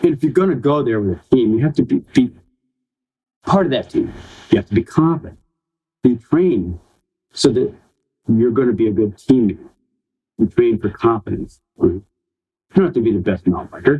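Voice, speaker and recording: With a fairly quick pace, very wide pitch swings and a somewhat breathy quality, a man speaks between long, frequent pauses. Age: 60s. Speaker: retired iron worker and army veteran, adventure racer. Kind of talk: podcast interview. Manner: animated.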